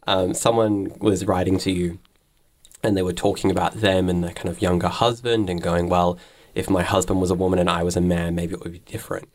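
A man working as an interviewer, asking questions in a casual, informal, meandering way. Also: low-pitched.

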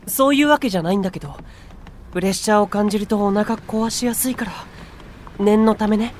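A man playing a gentle, earnest, easily worried young idol in an anime-style audio drama, speaking softly and considerately. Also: high-pitched, quick pace, a little hiss or hum, close to an everyday voice. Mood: anxious.

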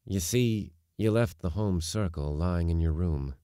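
A man voicing a gentle, kindly middle-aged father in an audiobook story, quiet, understated and reassuring. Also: low-pitched, measured pace, clean tone, no echo, clean studio sound.

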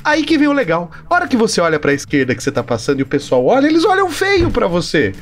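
A man from Pirassununga with a light São Paulo countryside accent, telling stories in an animated, casual podcast chat. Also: high voice, fast talker. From Pirassununga, São Paulo interior. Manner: animated storyteller. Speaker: podcast co-host.

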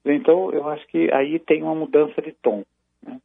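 A Brazilian man commenting on military affairs in a halting, measured way, with many restarts. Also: a little high, fairly even intonation, gravelly, dry recording. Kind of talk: phone-in analysis on a news program. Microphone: phone. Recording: tinny phone line.

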